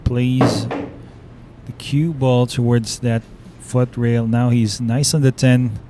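A man with a Filipino accent giving relaxed, admiring play-by-play commentary on a pool match. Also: mid-range voice, slow. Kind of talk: live sports commentary. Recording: noisy live stream audio.

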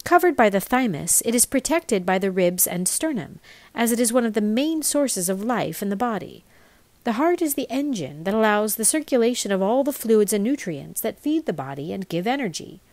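A woman reads scripted narration as a voice-over. Her mid-pitched voice moves up and down in a lively way while she enunciates in a measured manner. The sound is dry, with very little room in it. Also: dry recording. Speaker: voice-over reader. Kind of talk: scripted narration of a spiritual explainer, read aloud.

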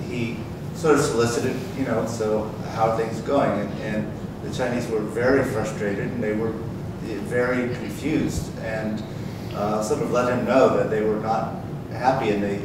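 A man's voice: fairly low pitch, fairly even intonation, a little slow, few pauses. Brief: male panelist, storytelling, midrange voice, room hum. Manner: storytelling, acts out quoted speech. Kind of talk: panel anecdote. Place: university seminar room. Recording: very echoey room, distant, hum.

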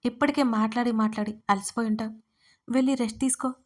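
A woman doing a calm, protective husband. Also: on the high side, quick pace, close to an everyday voice. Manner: cool, reassuring.

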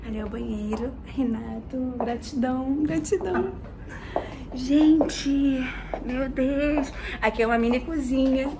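Excited woman vlogging on her phone. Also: high-pitched, a little slow, background noise. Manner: excited, emotional, talks to viewers directly. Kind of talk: casual vlog chat. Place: street, car and studio building.

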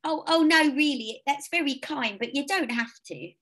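A woman's voice: high-pitched, animated, normal speed, a bit bright, pitched above the performer's own voice. A woman doing an earnest child. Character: child narrator, older sibling.

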